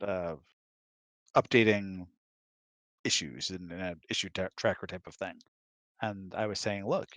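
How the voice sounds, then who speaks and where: A man's voice: sits low, a bit bright, dry recording. A man chatting casually as a guest, explaining his views and often checking in with "right?". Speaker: guest, the host's husband. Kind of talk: casual chat, explaining opinions.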